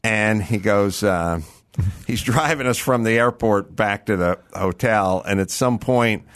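A man co-hosting a home improvement show, ranting and telling stories in casual chat, animated and profane. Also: on the low side, unhurried.

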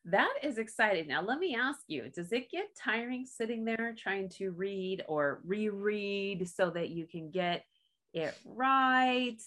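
A woman with a mid-range voice hosts a relaxed interview. She asks friendly, encouraging questions in an easygoing way. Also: medium pitch, slow. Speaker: interview host. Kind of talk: casual interview chat.

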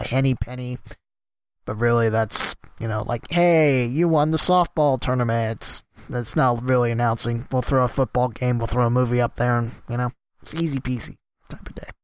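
A man, hosting a solo podcast and rambling casually about announcing gigs, his voice a bit worn from a cough and trailing off quietly at the ends of thoughts. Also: mid-range voice, no echo. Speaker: podcast host and sports announcer.

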